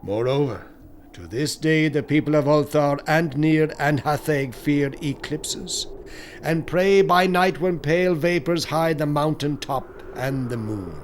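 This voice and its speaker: A man narrating gothic horror in a solemn, theatrical way with deliberate phrasing. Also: a little high, a little hiss or hum.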